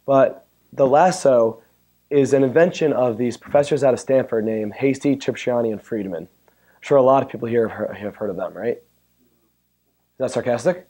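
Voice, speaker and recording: A man with a hoarse, worn-out voice giving a chatty, joking technical talk at a conference and bantering with the audience. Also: mid-range voice, normal speed, dark tone. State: hoarse, losing his voice. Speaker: conference speaker. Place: conference room. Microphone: handheld or stand mic.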